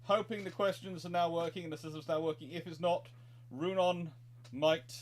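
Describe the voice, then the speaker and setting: A man hosting a casual livestream, chatting haltingly and often repeating his words. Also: on the high side, fairly even intonation, a little hiss or hum. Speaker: livestream host.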